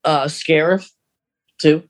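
A man's voice: fairly high pitch, fairly even intonation, slow pace. A man hosting a podcast, chatting casually and explaining things in a hesitant, conversational way. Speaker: podcast host. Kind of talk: casual chat discussing a story.

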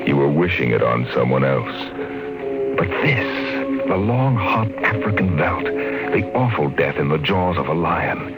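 A man acting as the grave, brooding narrator of a dark 1950s radio drama, with vividly intoned, dramatic delivery. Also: low voice, rough recording. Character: grave, brooding male narrator of a dark science fiction tale. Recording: old radio recording with loud music.

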